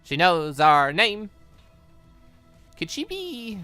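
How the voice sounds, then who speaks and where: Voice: mid-range voice, huge pitch swings, extremely slow, pushed and bright, clear, resonant tone, no echo, faint music behind. A gaming video host reading a visual novel aloud with asides, often stumbling and repeating lines.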